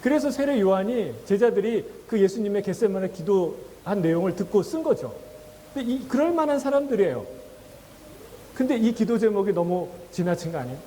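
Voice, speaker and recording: A man's voice: high voice, expressive, fairly quick, warm tone, in a large hall, a little hiss or hum. A male pastor preaching a sermon in a conversational way, asking the congregation questions and acting out quoted voices with a chuckle. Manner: acts out quoted voices with laughs. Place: church sanctuary.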